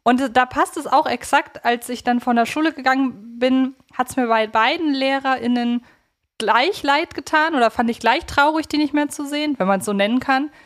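A woman's voice: sits high, moderate pace. A woman co-hosting a podcast, talking through an analysis in a conversational, reflective way, feeling for her words. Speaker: podcast co-host.

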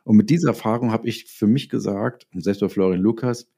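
Male interview guest, lowish and very relaxed, dark timbre, telling anecdotes conversationally with quoted dialogue. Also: a little fast, gravelly, husky. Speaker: interview guest, writer and audio drama producer.

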